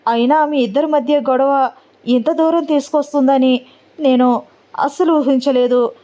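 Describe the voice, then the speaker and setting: A woman voicing a mild, placating middle-aged man who speaks gently. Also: high voice, fairly even intonation, unhurried, pitched above the performer's own voice. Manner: soothing, gentle.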